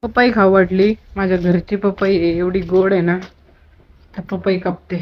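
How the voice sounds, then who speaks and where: A homely village woman talks her viewers through her day outdoors. Her voice sits at an ordinary middle pitch and comes through a slightly muffled phone recording. Farm animals can be heard behind her. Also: fairly even intonation, measured pace. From Ahilyanagar district, Maharashtra, India. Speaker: village family vlogger. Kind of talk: casual vlog narration.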